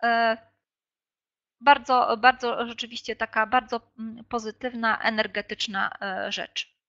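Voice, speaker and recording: A woman's voice: a little high, level tone, measured pace, fairly bright tone. A woman presenting an online teacher workshop, explaining classroom games with frequent hesitations and filler sounds. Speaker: teacher trainer. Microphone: video call. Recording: dull lo-fi online call audio.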